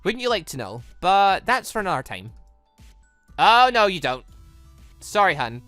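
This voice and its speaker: Visual novel villainess read by a game host: taunting, secretive, cool menace, bright edge, music underneath. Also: medium pitch, sing-song, normal speed, no echo. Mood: teasing.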